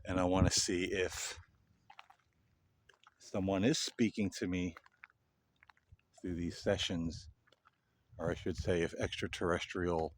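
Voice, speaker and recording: A man hosting a paranormal video, talking casually and earnestly to viewers in halting phrases. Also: deep voice, little pitch movement, a little hiss or hum. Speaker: paranormal investigator, video host. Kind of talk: casual explanatory monologue to viewers.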